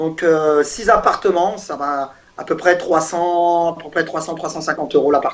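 Very slow speech with fairly even intonation and big swings in loudness over noticeable background noise. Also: man, high pitch for a man. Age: 40s. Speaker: real estate investor. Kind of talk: casual chat. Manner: halting.

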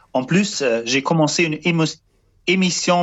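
This voice has lively intonation. It comes with a German accent. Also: man. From Germany (Saarland). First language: German (speaking French). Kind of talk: radio interview. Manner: halting.

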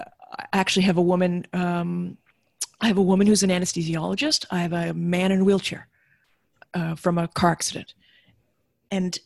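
A woman speaks with a fairly low pitch and a somewhat breathy voice, her intonation monotone and flat. The sound is dry and close with no echo. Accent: Canadian. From Canada. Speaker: sober coach. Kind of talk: podcast interview. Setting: call.

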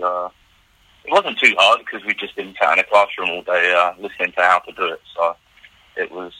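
A man with a British accent, at a fairly quick pace. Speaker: ice hockey referee. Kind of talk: interview.

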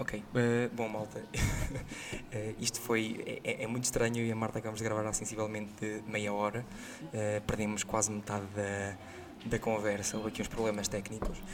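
A man's fairly low, monotone voice with flat intonation at a moderate pace over noticeable background noise. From Portugal, Chaves (Trás-os-Montes). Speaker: podcast host. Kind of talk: casual chat. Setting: rooftop venue.

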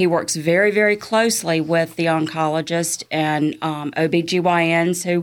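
With a normal speaking voice, a woman talks at a fairly low pitch and with fairly even intonation. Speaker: surgical practice manager. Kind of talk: interview.

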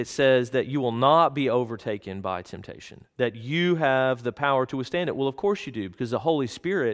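An animated man with an American accent, medium pitch, ordinary pitch variation, a fairly quick pace and hardly any pauses. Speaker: guest preacher and school coach. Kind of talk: sermon. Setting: church. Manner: loud.

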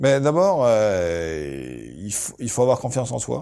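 Here is a man with a medium pitch. His tone is dark and mellow. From France. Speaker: festival director. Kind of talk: interview conversation. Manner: halting, many repetitions and hesitations.

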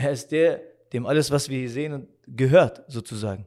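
A man with a fairly high voice and ordinary pitch variation talks at a moderate tempo. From Berlin, Germany (Roma family from North Macedonia). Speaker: imam. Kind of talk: interview.

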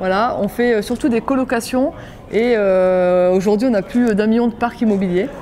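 A woman's plain, everyday voice, fairly high in pitch, with ordinary pitch variation and very even loudness. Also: moderate pace. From northern France, Dunkirk. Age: 20s. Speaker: property investor. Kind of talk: testimonial.

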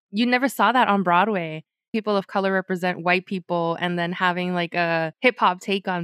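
At a moderate pace, a woman with a Spanish accent and a fairly low pitch speaks in a very clean recording with a silent background and a dry, close sound with no echo. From US, Mexican-American family. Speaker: podcast co-host. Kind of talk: scripted narration; casual chat.

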